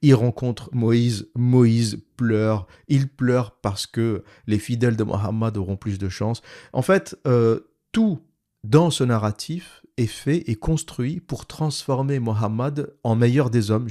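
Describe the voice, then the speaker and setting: Man, middle pitch, critical commentary, reads a text aloud and explains it, sardonic asides. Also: takes it slowly, mellow. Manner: explanatory, restating terms. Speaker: video commentator.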